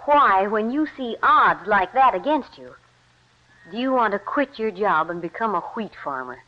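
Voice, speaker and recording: A woman's voice: medium pitch, lively intonation, moderate pace, lightly acted. An actress playing a spirited young woman teasing her sweetheart in a 1940s radio play. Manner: teasing and warm. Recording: muffled old radio recording.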